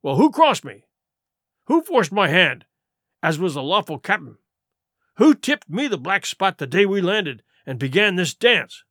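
A man performs a wily pirate sea cook from an adventure storybook. His voice rides high and swings widely in pitch, heavy with sarcasm and scorn. He argues in rustic nautical dialect, captured close and dry. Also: very animated, measured pace, fairly bright tone, no echo, full character voice. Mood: indignant, vehement. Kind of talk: audiobook character acting.

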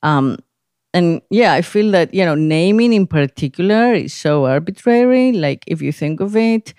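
A woman's voice: on the low side, expressive, normal speed, darkish tone, no room sound, clean studio sound. A middle-aged woman from Greece, whose first language is Greek, talking casually as a podcast host, rambling with many fillers and frequent laughs. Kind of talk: casual conversation.

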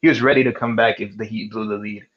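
A male podcast host in a casual sports chat who talks in an excitable, slangy way. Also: on the low side, fast talker. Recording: dull lo-fi sound.

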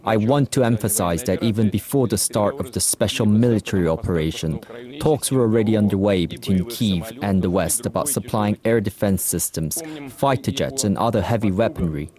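A man giving a live interpreter voice-over of a formal speech, in a measured way, in a broadcast clip. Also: fairly low pitch. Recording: broadcast clip with crowd noise behind.

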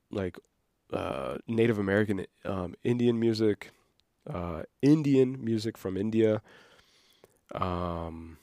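Warm, low-voiced young man musing aloud. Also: dry recording, studio quality. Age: 20s. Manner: rambling and reflective, heavy use of "like". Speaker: podcast host. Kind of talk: unscripted podcast monologue.

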